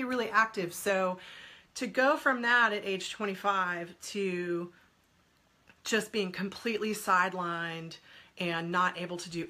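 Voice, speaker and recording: A woman's voice: mid-range voice, bright, forceful tone. Stuffy-voiced woman chatting on a live stream. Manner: chatty, laughs often, greets viewers by name. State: stuffy head cold. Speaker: guest speaker on a live stream. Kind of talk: casual live-stream chat answering comments.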